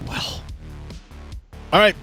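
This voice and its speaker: A man's voice: extremely slow, sharp tone, soft background music. A man acting as game master, narrating a tabletop role-playing game in a casual, explanatory way. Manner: casual, explanatory, joking asides.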